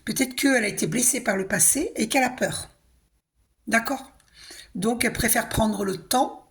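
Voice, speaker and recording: A hoarse woman giving a casual, reassuring spiritual card reading, often clearing her throat and asking "d'accord?". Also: on the high side, moderate pace, fairly bright tone. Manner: chatty, reassuring, tag questions like hein and d'accord. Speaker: tarot and oracle card reader.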